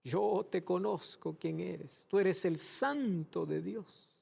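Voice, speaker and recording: Pastor doing a defiant demon, shrill and drawn out, gravelly. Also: male voice, slow pace, dark tone, big-room sound, full character voice. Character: shrieking unclean male demon, defiant.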